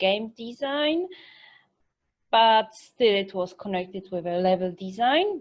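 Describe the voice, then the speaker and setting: Fairly slow speech from a woman, medium in pitch. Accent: Polish. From Poland. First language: Polish. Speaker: game level designer. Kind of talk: conference talk. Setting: self-recorded talk. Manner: halting.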